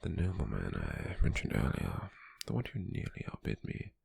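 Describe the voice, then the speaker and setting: A British man plays a smug, possessive and calculating slave merchant in a hushed ASMR roleplay, his voice husky, breathy and gravelly. He speaks slowly and deliberately with lingering pauses, using an exaggerated, extremely low voice with huge pitch swings.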